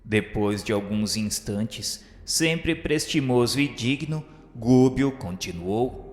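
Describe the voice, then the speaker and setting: Radio drama narrator played by a man: solemn Brazilian disciple, mid-pitched, literary delivery, heavy echo around the voice. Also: expressive, takes it slowly, soft background music. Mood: solemn, edified. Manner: formal, solemn, literary diction. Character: reverent male disciple narrating a spiritual tale. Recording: echoey hall reverb.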